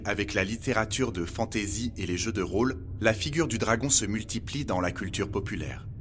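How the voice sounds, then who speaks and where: A man playing a polite robot guide in an audio documentary drama, speaking in a measured, formal way over music. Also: sits low, background noise, natural voice. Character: polite, earnest male robot guide recounting humanity's end. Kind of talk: scripted documentary fiction narration. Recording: music bed behind the voice.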